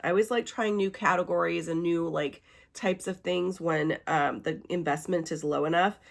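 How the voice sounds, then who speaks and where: A woman in her thirties with a hoarse, raspy voice, chatting casually as a vlogger showing a thrift haul. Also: on the low side, steady tone, normal speed. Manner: chatty, with fillers and small laughs. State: hoarse from illness. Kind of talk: casual chat.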